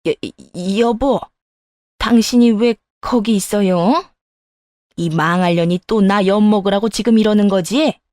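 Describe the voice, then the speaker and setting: A woman voicing an arrogant, spiteful middle-aged mother-in-law who yells at her daughter-in-law in a narrated story. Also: mid-range voice, measured pace, no room sound, studio quality, natural voice. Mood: shouting. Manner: yelling, then whiny pleading. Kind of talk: storytelling dialogue.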